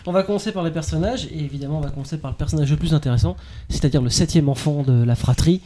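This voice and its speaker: A man hosting a podcast about screenwriting, brisk and joking as he introduces the episode and leads the chat. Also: fairly high pitch, mellow, slight background noise. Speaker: podcast host.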